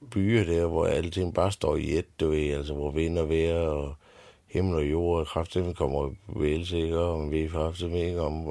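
A man's voice: rumbling low, vocal fry, dark tone, dry recording. A Danish man retelling a fairy tale as a rambling, crude bedtime story, full of swearing and restarts.

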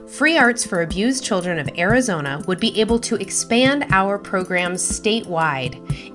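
A woman who works as a program director, giving an earnest, measured statement. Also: medium pitch, fairly bright tone. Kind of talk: scripted statement.

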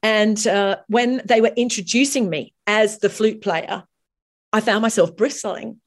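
Woman guest, professional singer from Australia, animated storyteller with lots of restarts. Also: mid-range voice, measured pace. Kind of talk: casual interview chat.

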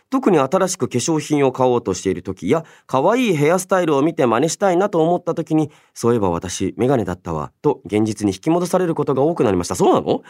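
A man's voice: a little high, dry recording, studio quality. A young man hosting a radio show, talking casually and politely as he muses aloud and handles listener mail. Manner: chatty, musing aloud, polite but informal. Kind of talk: casual solo radio talk, reading and answering listener mail.

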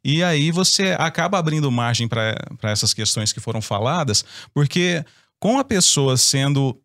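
A man's voice: medium pitch, expressive, moderate pace, a bit bright, dry recording, clean studio sound. A Brazilian man in casual discussion, explaining his views at length in an opinionated way. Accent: Brazilian Portuguese.

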